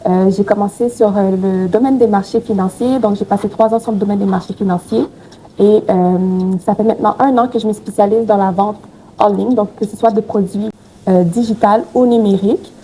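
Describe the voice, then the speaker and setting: A woman who grew up in Haiti answers podcast questions in a mellow, measured voice and pauses often to find her words. A faint background hiss runs under the recording. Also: mid-range voice, poor audio. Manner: calm, measured, with hesitations. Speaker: podcast guest, entrepreneur. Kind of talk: casual interview answers.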